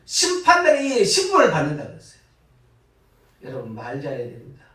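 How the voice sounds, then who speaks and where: A retired pastor, preaching a lively sermon full of laughing asides and sudden loud bursts. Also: male voice, a little high, brisk. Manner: animated, laughing storytelling with sudden loud rises. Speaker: guest pastor. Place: church sanctuary. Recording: echoey church from far off.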